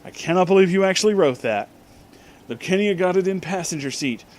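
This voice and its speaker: This man's voice is high with lively intonation as he reads fan fiction aloud in a comedic, dramatic style. Misspellings are pronounced literally, and he interjects asides along the way.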